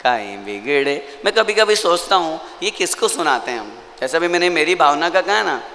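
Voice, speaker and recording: Bright-voiced male preacher in echoing hall. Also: expressive. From Marwar region, Rajasthan. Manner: exhorting, drops low and slow on key lines. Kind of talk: sermon. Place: temple hall. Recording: reverberant hall with faint ambient noise.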